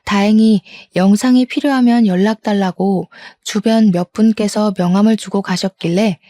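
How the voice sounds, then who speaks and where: Warm-voiced woman telling a story. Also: mid-range voice, fairly even intonation, moderate pace, dry recording, studio quality. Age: 30s. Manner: indignant, conversational retelling. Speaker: narrator. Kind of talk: storytelling narration.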